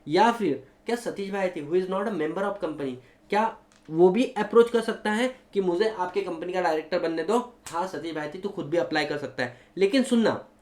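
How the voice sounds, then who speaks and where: Indian guy teaching law, lively, keeps checking if the class gets it, roomy echo. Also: high-pitched, normal speed. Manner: animated, mixes Hindi and English, asks students questions. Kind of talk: classroom lecture.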